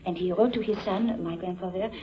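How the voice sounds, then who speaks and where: An actress playing a young French woman with a French accent, telling a family story in a 1950s radio drama, earnest and breathy. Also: medium pitch, a little fast, lightly acted. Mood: wistful. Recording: dull old radio recording.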